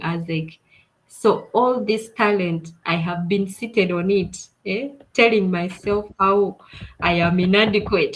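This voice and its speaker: A woman, a coach telling her own story earnestly, with fillers and animated retelling. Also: mid-range voice, low-quality recording. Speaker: coach and speaker. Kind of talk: personal storytelling.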